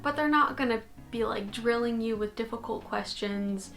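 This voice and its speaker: A woman's voice: a little high, moderate pace, creaky, faint music behind. Chatty young woman vlogging from her bedroom. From Canada. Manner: chatty and animated, gesturing with her hands. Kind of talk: casual talking-head vlog. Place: bedroom, indoors. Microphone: fixed camera at desk distance.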